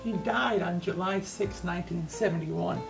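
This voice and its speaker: High, creaky-voiced man telling stories. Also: normal speed, far from the mic. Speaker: archivist and guide. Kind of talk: enthusiastic storytelling interview. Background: music.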